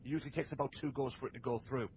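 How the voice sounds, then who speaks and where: A man talking as a guest on a casual wrestling podcast, excitable and stumbling over repeated words. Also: mid-range voice, very fast, dull audio, slight background noise. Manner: excitable, stammers on restarts.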